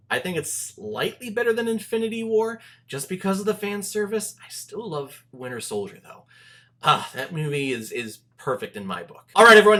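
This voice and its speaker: A high-voiced man addresses his viewers with an upbeat, easygoing film review. His delivery is energetic, punchy and conversational.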